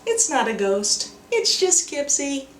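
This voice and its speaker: Woman, children's read-along host. Very animated, playful, takes her time, roomy sound with faint noise. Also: high-pitched, takes it slowly. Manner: expressive, playful, addresses young viewers. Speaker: children's show co-creator reading a picture book aloud.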